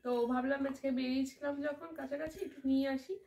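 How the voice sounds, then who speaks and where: A woman's voice: high-pitched, fairly even intonation, fast talker, mellow. A woman chatting casually to her viewers in a home vlog, talking to them like friends. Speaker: vlogger. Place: rooftop and home.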